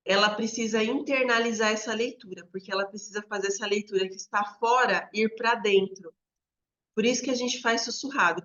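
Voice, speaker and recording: In a slightly dull, lo-fi recording, a woman who teaches literacy gives an explanatory lesson on reading. Her mid-range voice sounds bright, and she moves through the material step by step, frequently asking "né?" to check in with listeners.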